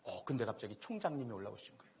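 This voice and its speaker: A middle-aged man preaching a sermon as a pastor, telling a personal story with a loud voice, swinging between loud exclamations and hushed asides. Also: lowish voice, rapid-fire, slightly rough. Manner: animated, swings from loud to hushed, laughing at himself. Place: church sanctuary.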